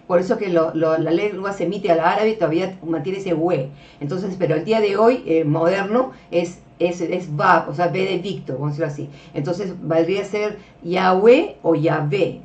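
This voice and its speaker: A woman's voice: on the low side, darkish tone. A woman giving a religious lecture over slides, explaining patiently, often checking in with her listeners and addressing them as beloved brethren. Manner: explanatory, frequent checks with "ok?" and "este" fillers. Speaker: religious teacher. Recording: distant, dull-sounding mic.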